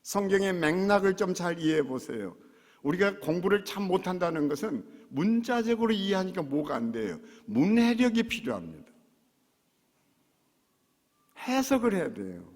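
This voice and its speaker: A man's voice: high voice, sing-song, moderate pace. Dramatic preaching man in a reverberant hall. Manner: dramatic, acts out quotes and shouts. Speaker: pastor. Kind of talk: sermon. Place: church sanctuary. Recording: long church hall reverb.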